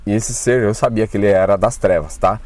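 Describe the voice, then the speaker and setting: A man with a somewhat low voice tells his own story in a loose, casual way. He is animated and colloquial, and he drops slang and curses as he goes. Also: a little fast. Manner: colloquial and animated, with swearing and nervous laughs. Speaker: channel host telling his own spiritual experiences. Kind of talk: casual first-person storytelling.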